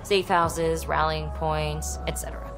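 A woman's voice: sits low, little pitch movement, unhurried, over music. A woman playing an impulsive, guarded, wry young alien adventurer in a video game, with breezy, sardonic delivery. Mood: playful, coaxing. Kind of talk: video game dialogue acting.

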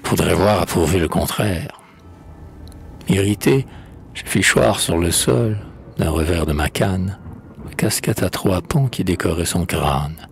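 A man's voice: sits low, unhurried, vocal fry, faint music behind. A man giving a theatrical, declaiming recitation of verse, swinging between sudden rises and drops. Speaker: poetry reader. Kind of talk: dramatic poetry recitation.

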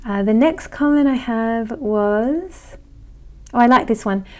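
A woman's voice: on the high side, lively intonation, slow, warm tone. A woman in her thirties with an Australian accent tinged by American and English, chatting casually to camera from her living room on a lapel mic. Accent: Australian with some American and English. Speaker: astrology channel host. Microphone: clip-on lapel mic.

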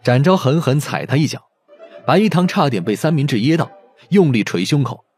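A man's voice: medium pitch, very animated, brisk, a little mellow, faint music behind. A man narrating a scripted audiobook story expressively.

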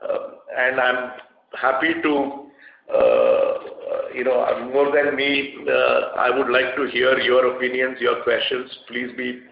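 A man with an Indian accent speaks haltingly as a company executive leading an earnings call. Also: mid-range voice, lively intonation, gravelly. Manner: halting, hesitant delivery with long hesitations. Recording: dull, echoey conference call line.

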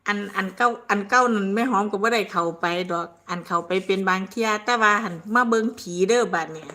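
Older isan lady rambling on a livestream, bright voice, laughs a lot. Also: medium pitch. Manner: chatty and rambling, laughs often, calls herself by name. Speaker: livestream host. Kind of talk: casual live-stream chat reading viewer comments.

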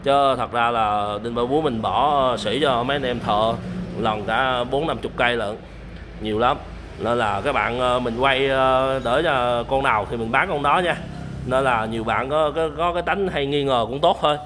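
At night in a storage area full of machines, a man films on his phone while casually showing and explaining used machines. His medium-pitched, slightly bright voice moves at normal speed, full of fillers and repeated "các bạn" as he addresses viewers, with slight background noise.

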